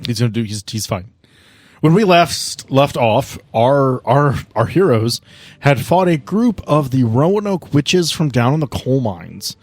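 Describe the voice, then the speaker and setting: A man's voice: medium pitch, big pitch swings, a little slow, no room sound. A man in his thirties hosting a tabletop game podcast, chatting casually and recapping the story as game master. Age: 30s.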